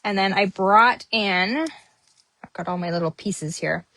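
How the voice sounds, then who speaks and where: A woman's voice: medium pitch, measured pace, pushed and bright, dry recording. Female craft host, talks with a friendly ramble while working, dry close mic. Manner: chatty, many ums, talks while working. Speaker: papercrafting host. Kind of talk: casual crafting tutorial.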